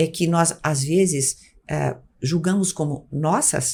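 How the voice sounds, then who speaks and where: Somewhat breathy and dark, mellow in tone, this woman's voice sits fairly low. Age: 60s. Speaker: psychologist. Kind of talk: casual chat.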